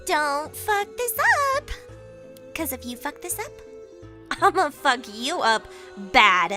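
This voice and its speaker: Actress as bossy young overlord for a comic dub: shrill-high, swooping, sassy, menacing. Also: female voice, very animated, slow, sharp tone, faint music behind, heavily acted. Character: bossy, bratty, threatening young female crime overlord.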